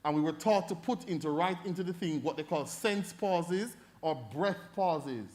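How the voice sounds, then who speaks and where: Lively high-voiced Jamaican man judging. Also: moderate pace. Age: middle-aged. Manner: animated, demonstrates voices while coaching. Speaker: debate judge. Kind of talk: feedback speech to an audience.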